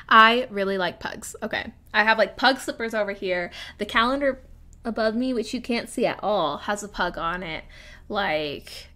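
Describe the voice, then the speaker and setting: A woman's voice: mid-range voice, sharp tone. Young woman, 20s, chatty vlog voiceover, giggly, filler-heavy. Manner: bubbly, giggly, lots of "like". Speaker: speed-build vlogger. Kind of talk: casual storytelling voiceover. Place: home room.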